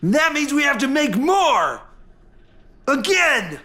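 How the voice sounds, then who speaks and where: A man playing a dim, excitable surfer-dude raider sidekick in a comedy audio drama, talking in theatrical slang. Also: extremely high pitch, takes it slowly, full character voice. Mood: eager.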